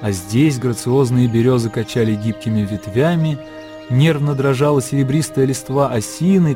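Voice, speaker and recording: Calm male narrator over music. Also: medium pitch. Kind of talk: scripted literary narration.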